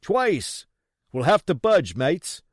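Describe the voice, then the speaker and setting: A man voicing rough pirate henchmen in an audiobook, calling out loudly in rustic sailor talk. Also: fairly high pitch, sing-song, slow pace, dry recording, studio quality, voice pushed up, heavily acted. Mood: alarmed. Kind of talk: audiobook character voice.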